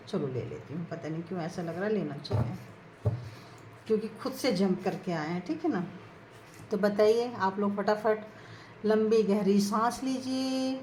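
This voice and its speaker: A middle-aged woman talks through a tarot reading in a relaxed, chatty way and keeps checking that her viewers are following. She speaks at an ordinary pitch. The room sounds echoey, with a faint hum behind her. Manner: chatty, coaxing, often asks viewers "ठीक है?". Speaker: tarot reader, channel host.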